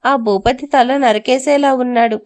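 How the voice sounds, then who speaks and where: Commanding elder brother, voiced by a woman, firm and scolding, Hindi-laced, a bit high. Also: steady tone, unhurried. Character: protective older brother, steady and commanding.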